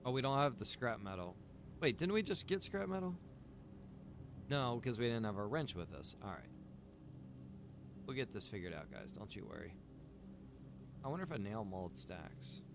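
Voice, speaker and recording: A man's voice: lowish voice, big pitch swings, normal speed, pauses often. A man streaming a video game, chatting casually and thinking aloud in a rambling way. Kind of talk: casual chat while playing a game. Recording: clear background noise.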